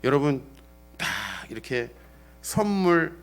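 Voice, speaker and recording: Middle-aged male pastor, animated sermon delivery, slightly high voice. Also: takes it slowly. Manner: lively preaching, acting out dialogue, shifting from loud to hushed.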